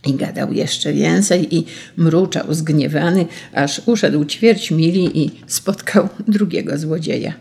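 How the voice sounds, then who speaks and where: A storyteller narrating a folk tale in a steady, measured way. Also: medium pitch, vocal fry, husky.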